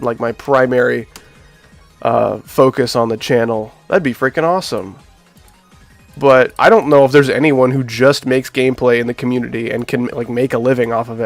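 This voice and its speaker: A man with a nasal voice from being sick, chatting casually to his live-stream viewers while he builds a game level. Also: mid-range voice. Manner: chatty, talks to chat while working.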